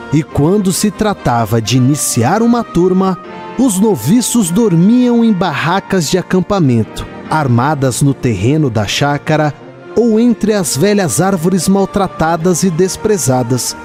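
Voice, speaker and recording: A Brazilian man narrating a literary radio drama in a measured, expressive storytelling manner. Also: fairly high pitch, soft background music.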